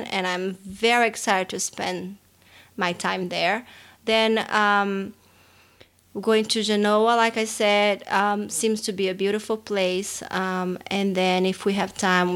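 A woman in her thirties from Brazil, with a Brazilian accent, co-hosting a podcast in casual chat. She rambles, restarting sentences and filling pauses with "um". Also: mid-range voice, a bit bright. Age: 30s. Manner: rambling, many restarts and fillers. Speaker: podcast co-host.

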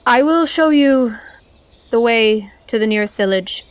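A woman's voice: on the high side, animated, unhurried, clear, resonant tone, dry recording. A woman voicing a proud male horseman guide who speaks with stately, slightly offended formality.

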